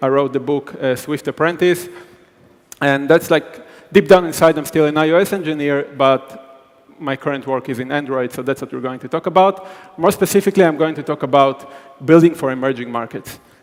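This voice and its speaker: A man with a fairly high pitch and ordinary pitch variation talks fairly quickly over noticeable background noise. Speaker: software engineering manager. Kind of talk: conference talk. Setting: stage with audience. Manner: fast.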